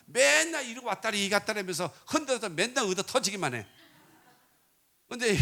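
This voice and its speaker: High-voiced folksy Korean pastor preaching. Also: male voice. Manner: folksy, joking, swings between loud and quiet. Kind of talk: revival sermon.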